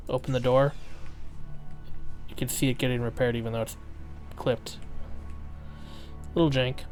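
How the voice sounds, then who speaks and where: A man with a lisp giving excitable, self-mocking commentary while streaming a game, swearing now and then. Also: fairly high pitch. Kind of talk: casual gameplay commentary.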